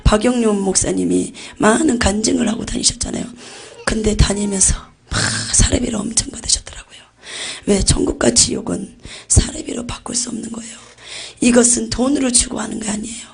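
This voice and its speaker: A woman's voice: medium pitch, lively intonation, brisk, creaky, husky. A woman giving an intense religious testimony about visions, often dropping to a near-whisper. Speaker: testimony giver.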